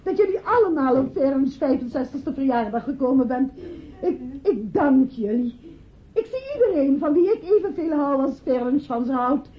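An actress in a Dutch radio play playing an effusive, devoted wife giving a halting, gushing party speech. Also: female voice, high-pitched, lively intonation. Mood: gracious, excited. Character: effusive hostess toasting her husband's birthday, devoted and chatty. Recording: dull, muffled radio drama recording.

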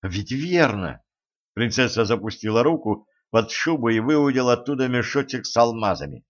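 A man narrates an audiobook with a steady, even delivery. His voice sits at a middle pitch. The recording is slightly muffled. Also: a little fast.

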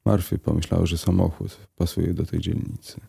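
Guy narrating a crime story, calm even read, husky voice. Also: low voice, moderate pace. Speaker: audiobook narrator.

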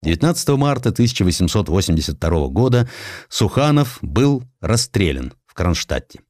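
A man narrating a historical audiobook dramatically and theatrically, with deliberate pauses. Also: low voice, big pitch swings, darkish tone, no room sound, studio quality.

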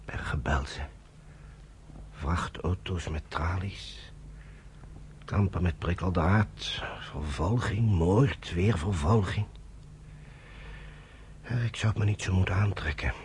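An actor playing a troubled half-Jewish British general in a Dutch radio drama, talking in a brooding way that sinks into hushed whispers. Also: male voice, low-pitched, takes it slowly, long pauses, a little hiss or hum. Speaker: general and narrator.

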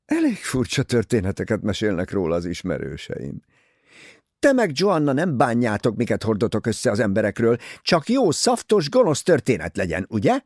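A man voicing a teasing, easygoing young English gentleman talking with his mother in an audiobook. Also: mid-range voice, wildly swooping pitch, no room sound, clean studio sound. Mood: wry teasing. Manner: wry, teasing.

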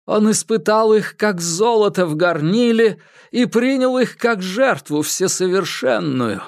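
A man's voice: high-pitched, expressive, measured pace, no echo, studio quality, pitched above the performer's own voice. Man doing a solemn intoning preacher. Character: solemn male preacher reciting scripture.

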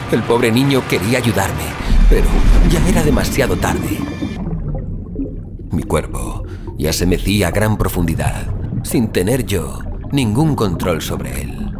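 A man narrates dramatic first-person audio fiction as a dazed, desperate survivor telling his own story. His lowish voice swings broadly in pitch, with theatrical gasps and exclamations, and music is clearly heard behind the anguished narration.

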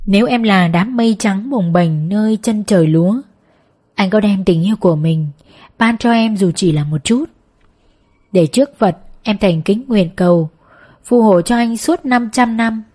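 A woman voicing a frightened pregnant young woman who murmurs softly and wistfully. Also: medium pitch, moderate pace, close to an everyday voice.

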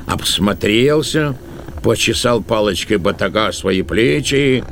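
A man's voice: lowish voice, animated, slow, vocal fry, fairly bright tone, a little hiss or hum. A man narrating a literary tale as the storyteller of an audio play.

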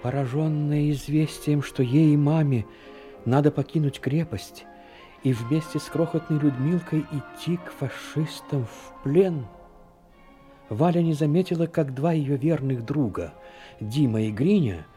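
A man reading scripted narration of a war story as the narrator of a radio drama, in a mellow voice. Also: on the high side, unhurried, faint music behind.

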